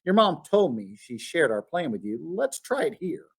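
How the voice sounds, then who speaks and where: A man's voice: on the high side, big pitch swings, normal speed, slightly rough, exaggerated voice. A man voicing a patient female math teacher in a storybook, encouraging and instructive. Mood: prompting. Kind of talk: storybook read-aloud.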